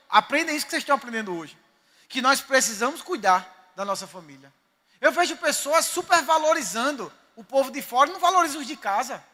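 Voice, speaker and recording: A man's voice: very high-pitched, bright, forceful tone. A man with a Northeastern Brazilian accent, a pastor preaching a sermon and telling stories with emphasis. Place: church sanctuary. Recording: reverberant church hall.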